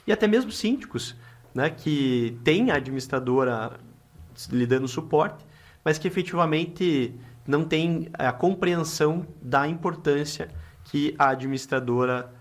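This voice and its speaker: A middle-aged lawyer with a Brazilian accent hosts a casual podcast interview, his voice a little high and his pace a little slow. He chats away with plenty of filler tags and restarts.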